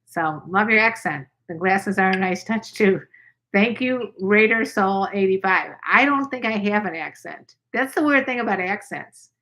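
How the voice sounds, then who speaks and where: An older woman hosting a casual livestream chat, rambling with quick asides. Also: mid-range voice, a bit bright. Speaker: channel host.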